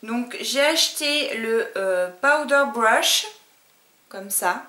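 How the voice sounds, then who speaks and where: A woman's voice: a little high, expressive, slow, sharp tone, reverberant. A woman talking casually and enthusiastically to camera in a beauty haul video, with lots of fillers. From France. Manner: chatty, enthusiastic, many fillers. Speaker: beauty vlogger. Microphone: camcorder mic.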